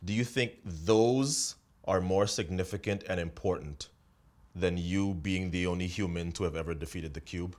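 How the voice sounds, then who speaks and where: A man with a very low voice hosts a sports interview. He builds up his questions at length and probes his guest with playful setups. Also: normal speed, darkish tone. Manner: leading, probing questions. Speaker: interviewer, host.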